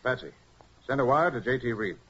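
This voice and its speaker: An actor playing a determined private detective, brisk and commanding, with an American accent, in 1940s radio style. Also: male voice, mid-range voice, lively intonation, fairly bright tone, breathy edge. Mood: intent. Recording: muffled, noisy 1940s radio recording.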